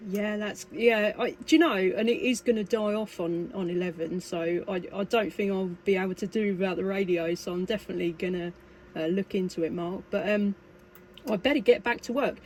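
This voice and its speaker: A woman's voice: medium pitch, brisk, darkish tone. A British woman chatting casually as a radio hobbyist, in a hesitant, rambling way. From United Kingdom. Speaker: amateur radio operator. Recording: clearly noisy amateur recording, radio hiss. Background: background noise.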